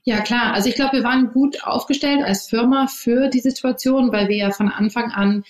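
A woman's voice: fairly high pitch, fairly even intonation, moderate pace. Thoughtful woman, English native, roomy echo. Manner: thoughtful, many fillers and restarts. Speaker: interview guest, company founder. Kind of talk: casual interview talk.

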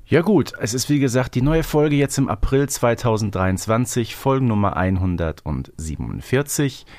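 A man's voice: medium pitch, expressive, moderate pace, darkish tone, dry recording, studio quality. A man co-hosting a podcast, talking in a conversational way. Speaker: podcast co-host.

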